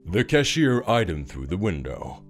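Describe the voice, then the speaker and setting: Casting: male storyteller with a very low, animated voice, narrating scripted fiction over soft music. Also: normal speed.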